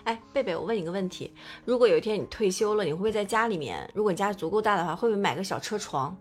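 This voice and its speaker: A woman's voice: mid-range voice, animated, rapid-fire, darkish tone. A woman chatting casually in an informal group conversation. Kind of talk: casual chat. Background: music.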